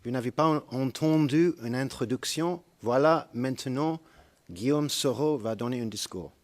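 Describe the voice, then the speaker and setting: A man's voice: medium pitch, moderate pace. A man cross-examining a witness in a courtroom, asking pointed leading questions.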